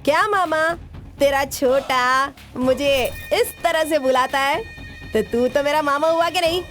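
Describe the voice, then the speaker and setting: An actress dubbing a brash, bossy female gang boss who talks in rough street slang. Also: high voice, unhurried, fairly bright tone, soft background music. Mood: teasing. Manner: swaggering, rough street talk. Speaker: gang leader. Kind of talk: Hindi film dub.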